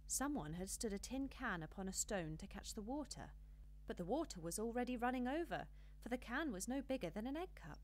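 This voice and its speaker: Woman, audiobook narrator, children's storybook, expressive, measured, varied intonation, medium pitch.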